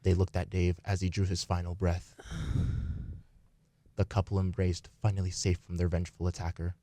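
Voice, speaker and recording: Male narrator for a radio play, lowish pitch, scripted storytelling delivery, very dry recording. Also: monotone, moderate pace, mellow, dry recording.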